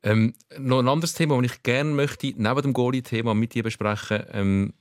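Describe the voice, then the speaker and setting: A man who hosts a casual chat, asking brisk questions. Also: medium pitch, dry recording, studio quality. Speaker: host. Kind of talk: casual talk show chat.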